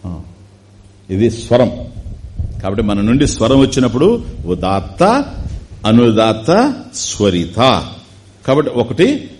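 A man giving a religious discourse, chanting Sanskrit terms slowly and explaining them in conversational speech with laughs and asides. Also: medium pitch, a little mellow. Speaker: spiritual teacher giving a discourse. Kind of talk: Telugu religious discourse on scripture.

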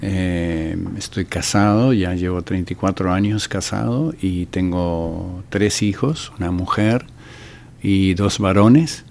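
A man's voice: low voice, slow pace, vocal fry, darkish tone, slight background noise. An older man with an Argentine accent, a ministry director giving a radio interview, speaking hesitantly with many fillers and restarts. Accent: Argentine Spanish. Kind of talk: radio interview, relaxed storytelling.

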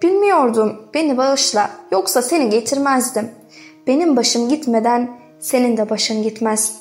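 A woman's voice: fairly high pitch, moderate pace, darkish tone, soft background music, natural voice. A woman voicing an earnest, remorseful tribal chief who pleads with sincerity, in a storybook reading. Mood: pleading.

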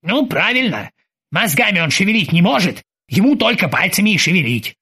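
A woman's voice: medium pitch, sing-song, fairly quick, a bit bright, slightly rough, exaggerated voice. Woman putting on a ranting, irritable ship captain. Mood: grumbling. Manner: exclamatory, ranting. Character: irritable, self-pitying male ship captain.

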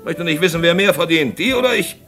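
An actor playing a brash, shady black-market businessman in a radio drama, cynical, boastful and loud in company. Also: a little high, expressive, fast talker, soft background music. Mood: defiant, mocking. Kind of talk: post-war German radio play dialogue.

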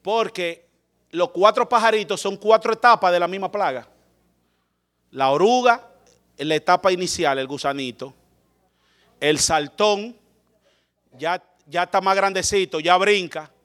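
A man preaching, his voice pitched high and ringing bright. He swings from loud calls to quiet, low asides as he speaks to his congregation in a dramatic sermon. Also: measured pace, long pauses.

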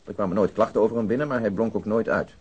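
Fast, husky, matter-of-fact detective. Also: male voice, fairly low pitch, darkish tone, lo-fi sound. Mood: factual, precise. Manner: dry, factual. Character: matter-of-fact male detective, dryly precise. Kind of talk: radio drama dialogue.

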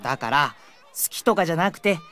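Flustered, lovesick high school boy, very animated. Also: brisk. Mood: troubled, confused. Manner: excitable, self-doubting. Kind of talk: Japanese anime-style audio drama acting. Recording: background music under the voice.

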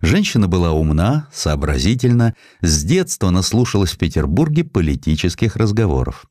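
Deep-voiced man narrating history. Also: sing-song, moderate pace, dark tone, dry recording, studio quality. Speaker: audiobook narrator. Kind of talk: scripted literary narration of a historical sketch.

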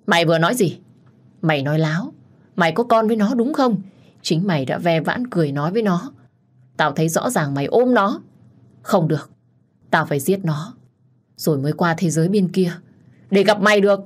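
A woman's voice: on the low side, animated, a little fast, long pauses, husky. A woman doing a crazed knife-wielding young man. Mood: furious. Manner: shouting, menacing.

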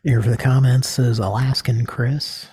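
A man hosting a casual comedy talk show, rambling with deadpan crude jokes. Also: mid-range voice, moderate pace, breathy edge. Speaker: host.

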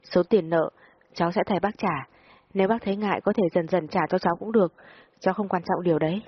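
A woman voicing a calm, polite young man speaking respectfully to an elder, in a storybook reading. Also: lowish voice, fast talker, husky, no room sound. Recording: muffled audio, faint music behind.

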